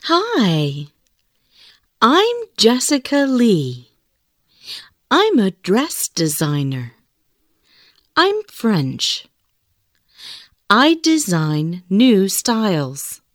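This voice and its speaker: A woman reading scripted language-lesson audio, speaking very slowly and carefully. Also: medium pitch, huge pitch swings, no echo, studio quality. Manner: very slow, carefully enunciated reading. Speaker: textbook audio reader.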